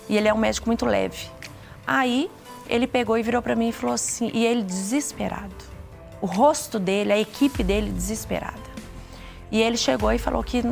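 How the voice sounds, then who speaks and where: A middle-aged Brazilian woman tells her testimony in an earnest, halting way, often restarting her sentences. Her voice sits a little high and has a gravelly edge. Soft music plays underneath. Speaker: guest giving a testimony. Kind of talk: emotional personal testimony.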